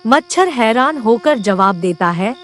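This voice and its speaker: Expressive female storyteller. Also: fairly high pitch, a little slow. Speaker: narrator. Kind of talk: children's storytelling narration.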